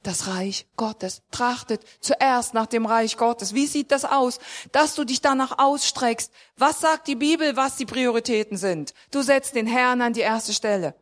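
A woman's voice: fairly high pitch, a little slow. A woman preaching a sermon in a conversational way, asking her listeners questions directly and rising to emphatic points.

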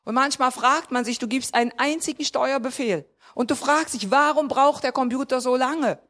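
A woman preaches a sermon conversationally, putting questions straight to her listeners and building to emphatic points. Her voice sits high and a bit bright, at a normal speed.

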